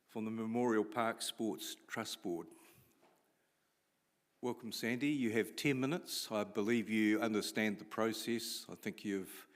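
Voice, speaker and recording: A man with a New Zealand accent chairing a council committee meeting, procedural and halting with fillers, at a desk microphone in a large chamber. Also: on the low side. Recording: long reverb of a council chamber.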